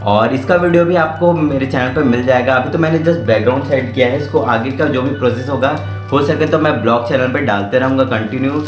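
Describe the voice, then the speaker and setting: A man's voice: mid-range voice, a little fast, few pauses, echoey room, soft background music. A young man in his twenties from central India, chatting casually as he hosts a vlog about the art supplies he bought. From Raipur, Chhattisgarh, India. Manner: chatty and informal, mixing English words into Hindi. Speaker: art channel host. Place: small room with art supplies, indoors.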